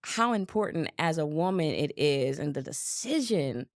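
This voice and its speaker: A woman in her thirties with a somewhat low voice, talking casually with her sister on a podcast. She tells stories with energy and acts out the lines she quotes. The sound is close and dry. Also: moderate pace, dry recording. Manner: animated storyteller, acts out quotes, laughs easily. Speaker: podcast co-host.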